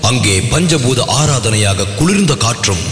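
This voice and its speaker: A man reading solemn scripted narration in a formal, measured manner. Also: mid-range voice, very animated. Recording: echoing long reverb, music behind.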